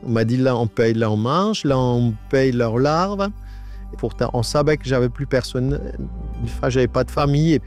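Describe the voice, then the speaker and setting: A man in his nineties gives a halting personal testimony in a radio interview. His voice is disguised by an AI voice changer. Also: medium pitch, a little mellow, faint music behind. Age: 90s. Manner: halting, with many restarts and repetitions. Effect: voice altered by an AI voice changer.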